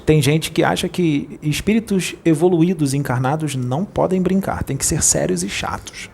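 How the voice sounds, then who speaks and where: A man with a Brazilian Portuguese accent, a spirit medium preaching informally in a playful, jokey way that rushes over his words. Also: on the high side, creaky, darkish tone, a little hiss or hum.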